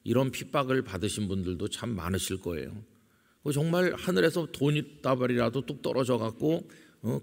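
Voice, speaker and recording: Pastor with a low voice in a reverberant church. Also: male voice, gravelly. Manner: conversational, asks the congregation questions; reads scripture slowly. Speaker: senior pastor. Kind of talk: early-morning prayer sermon. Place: church sanctuary.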